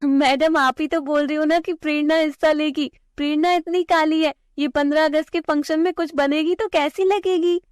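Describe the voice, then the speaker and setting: A woman's voice: high-pitched, steady tone, normal speed, few pauses, dry recording, studio quality, pitched above the performer's own voice, close to an everyday voice. A woman voicing a mean schoolgirl bully who taunts and sneers. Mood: mocking.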